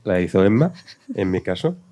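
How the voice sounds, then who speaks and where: A man's voice: deep voice, very animated, moderate pace, mellow. A man speaking as a panelist at a live event, giving brief conversational replies. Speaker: panelist, scriptwriter.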